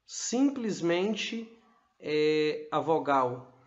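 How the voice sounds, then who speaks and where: Male teacher, slow and deliberate, sounds out syllables; dull, roomy recording. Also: on the high side, very animated. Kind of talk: whiteboard lesson on literacy. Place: room with a whiteboard.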